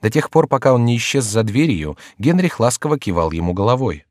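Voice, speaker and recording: A man narrating a classic novel in a measured, even storytelling manner for an audiobook. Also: medium pitch, no room sound, studio quality. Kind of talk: scripted literary narration. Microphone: close studio mic.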